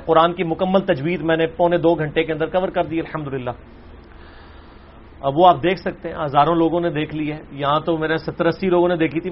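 A high-voiced man answers questions in a religious lecture. He is forceful and animated, loud on the points he stresses and dropping low for asides. The recording is dull and lo-fi. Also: slight background noise. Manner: forceful, animated, swings between loud emphasis and quiet asides.

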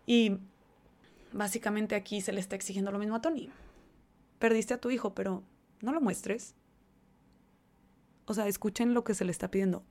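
A woman's voice: mid-range voice, normal speed, pauses often. A woman hosting a podcast, talking earnestly and conversationally about emotions, with many casual fillers. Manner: earnest, animated, conversational with fillers like "o sea" and "como que". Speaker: podcast host.

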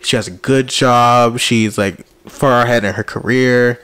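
A man with an African American accent bantering casually in animated, slangy, profane speech. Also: mid-range voice, a little slow, clear, resonant tone. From Patterson, United States.

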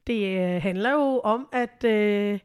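A woman's voice: medium pitch, darkish tone, clear, resonant tone, no echo, studio quality. A woman co-hosting a podcast in casual chat, giggly and hesitant, her voice changed by a cold, at home in a living room. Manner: giggly, hesitant with many fillers. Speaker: podcast co-host.

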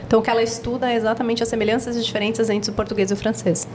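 A Brazilian woman chatting as a podcast guest, telling stories in a lively way and acting out what people said. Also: a little high, racing, a little hiss or hum. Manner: animated storyteller, acts out quotes. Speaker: podcast guest, project founder. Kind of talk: casual podcast chat.

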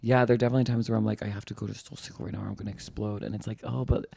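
A man in his twenties co-hosting a podcast, chatting casually, excitable and jokey, swearing now and then. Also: on the low side, racing, creaky, slightly rough, no echo. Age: 20s. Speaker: podcast co-host.

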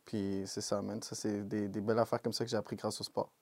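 A young man speaks with a Québécois French accent, easygoing and unhurried, sprinkling English slang through his answers. His voice is mellow and warm. The recording is close and dry. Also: lowish voice, level tone, vocal fry, no room sound. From Quebec, Canada. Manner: laid-back, peppered with English slang like "yo" and "bro". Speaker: rapper, interview guest. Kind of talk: casual interview talk.

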